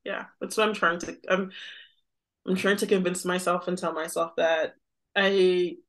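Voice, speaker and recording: A woman's voice: fairly low pitch, fairly even intonation, measured pace, fairly bright tone. A young American woman in her twenties chats as a guest on a podcast. Her delivery is conversational and reflective, with "like" sprinkled through her thoughts as she works them out. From United States. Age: 20s. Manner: reflective, frequent "like" as filler. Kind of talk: casual conversational interview.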